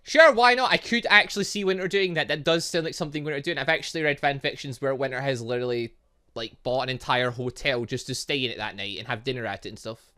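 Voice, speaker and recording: A man's voice: mid-range voice, fast, sharp tone. A man doing casual let's play commentary, rambling and reacting aloud as he plays. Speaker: gaming channel host.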